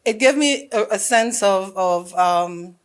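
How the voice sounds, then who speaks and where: A woman's voice: mid-range voice, slow, clear, resonant tone. A middle-aged woman from Saint Lucia, a salon owner and former police officer, telling her story candidly on a morning show. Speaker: laser hair removal business owner, guest.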